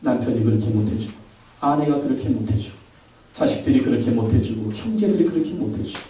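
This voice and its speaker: A man's voice: mid-range voice, lively intonation, fast talker, mellow. A man preaching a Sunday sermon as pastor, with fervent repeated phrases, recorded in a church. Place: church sanctuary. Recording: echoey church hall from far off.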